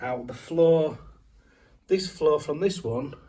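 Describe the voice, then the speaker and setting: Very slowly, a man talks in a somewhat breathy voice with a dark, mellow tone. His pitch varies in an ordinary way. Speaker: plumber. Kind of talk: casual tutorial talk to camera.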